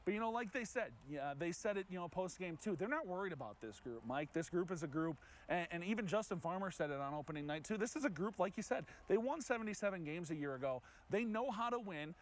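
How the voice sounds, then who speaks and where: Higher-voiced American man chatting sports. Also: animated, fast talker, few pauses. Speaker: sports director, show host. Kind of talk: casual sports chat.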